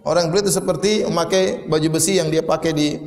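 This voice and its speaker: A man's voice: fairly high pitch, steady tone, fast, a little mellow. A man preaching a sermon, telling humorous stories with acted quotes and rhetorical questions. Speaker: Islamic preacher. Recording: echoey hall with long reverb.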